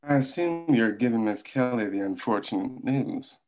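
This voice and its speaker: A man reading the part of a powerful boss who speaks in a calm, measured, quietly commanding way at a script table read. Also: medium pitch, soft background music, lightly acted, poor audio. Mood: controlled.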